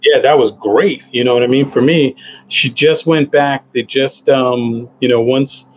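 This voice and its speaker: A man's voice: mid-range voice, a little slow, highs cut off, slight background noise. A man in his forties, a guest talking casually over a video call from a home office, rambling with many fillers. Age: 40s. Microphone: headset.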